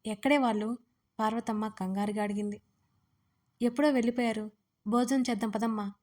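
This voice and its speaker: Woman narrating in a steady, flat voice. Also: mid-range voice. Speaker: audio story narrator. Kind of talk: scripted narration of a romance audio story.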